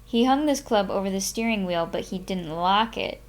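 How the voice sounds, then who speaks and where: A woman's voice: medium pitch, expressive, moderate pace. A woman narrating a memoir aloud as a live streamer, in an informal manner with her own small asides. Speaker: streamer reading a book aloud.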